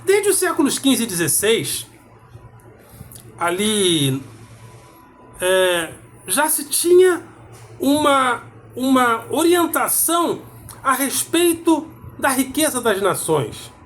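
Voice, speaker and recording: A man lecturing on philosophy, measured and emphatic, repeating key words for weight. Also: very high-pitched, big pitch swings, a bit bright, slight background noise. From South America. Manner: measured, emphatic repetition with pauses. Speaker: philosophy teacher. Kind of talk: explanatory lecture.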